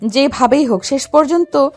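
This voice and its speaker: A woman's voice: sits high, normal speed, darkish tone, faint music behind, lightly acted. An actress playing a young, possessive female mafia don who speaks in a domineering, teasing way in an audio drama. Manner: domineering, teasing, calls him baby.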